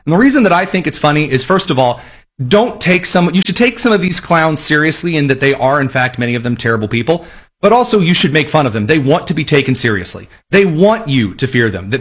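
A man's voice: fairly high pitch, fairly bright tone, slightly rough. A man from Indiana hosting political commentary, mocking and sarcastic, with jokey asides. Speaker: commentary host.

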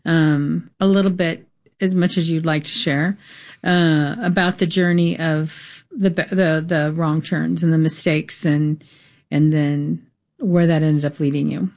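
A woman's voice: deep voice, steady tone, measured pace, darkish tone. A woman interviewing a guest in a casual conversation, encouraging him with frequent short affirmations.

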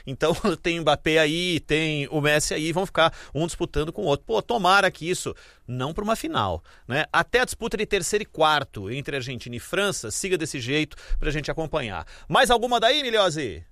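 A man's voice: on the high side, sing-song, brisk, hardly any pauses, sharp tone, no room sound, clean studio sound. A man hosting a live radio sports show, chatting easily and handing over to reporters by name.

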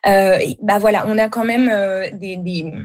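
A woman's voice: medium pitch, fairly even intonation, unhurried, darkish tone. A woman from France with a French accent, answering a radio interview with many hesitations and fillers. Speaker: podcast host and career coach guest.

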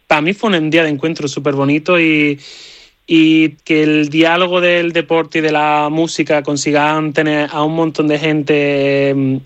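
Higher-voiced musician, dry and enthusiastic. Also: male voice, no echo, highs cut off. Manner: enthusiastic, rambling. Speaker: band member, guest. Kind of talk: radio interview answer.

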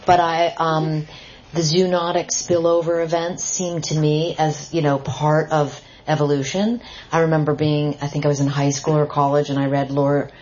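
A woman's voice: low voice, normal speed. A woman author answering audience questions at a bookstore talk, earnest and conversational, with trailing restarts. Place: bookstore event. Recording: muffled with steady hiss.

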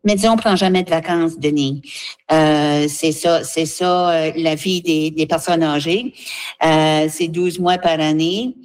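A woman, a guest speaking earnestly for a seniors' association, pausing often with fillers. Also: deep voice, darkish tone. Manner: earnest, halting, with many fillers. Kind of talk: radio interview, advocacy.

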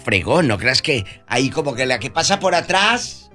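A man's voice: medium pitch, sing-song, normal speed, sharp tone, soft background music. A man hosting a radio show, gossiping about celebrities in a campy, chatty and theatrical way. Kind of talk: gossip chat.

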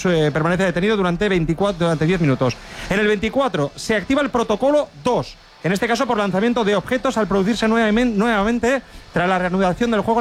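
A man reporting live as a sports radio reporter. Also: sits high.

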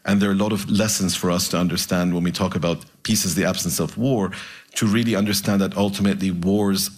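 Deep-voiced man speaking gravely. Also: fairly even intonation, quick pace. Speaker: guest. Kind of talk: interview answer.

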